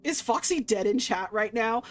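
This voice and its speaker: A woman's voice: on the high side, expressive, normal speed, soft background music. A woman streaming a visual novel, reading narration aloud and adding playful, reactive asides for her chat. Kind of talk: game playthrough with read-aloud narration and chat commentary.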